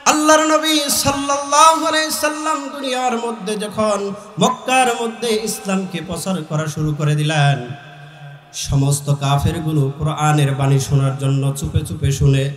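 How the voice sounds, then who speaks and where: Male Islamic preacher, Bangladeshi accent, high-pitched, slow declamatory sing-song, fervent exhortation, echoing PA sound. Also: fairly bright tone, soft background music. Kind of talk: fervent Bengali waz sermon with chanted verse and recitation.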